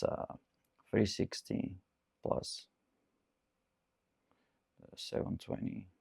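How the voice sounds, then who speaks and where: A man's voice: deep voice, creaky, darkish tone, dry recording, clean studio sound. A man in his twenties, a coach, giving an earnest, repetitive motivational talk. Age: 20s. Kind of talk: motivational monologue.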